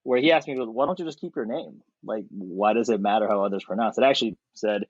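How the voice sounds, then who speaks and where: A man in his thirties from South Korea, a podcast guest talking thoughtfully and with energy, pausing on fillers. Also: lowish voice, husky, no echo. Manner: thoughtful, animated, with frequent fillers and laughs. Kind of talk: conversational interview. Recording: dry, slightly dull podcast audio.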